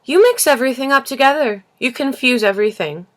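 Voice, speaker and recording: A woman's voice: high voice, expressive, brisk, voice pushed up. A woman voicing an earnest, passionate little boy prince in a storybook reading, speaking insistently and emphatically. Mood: indignant, scolding. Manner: insistent, emphatic, rhetorical questioning. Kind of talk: storybook character voice in audiobook reading.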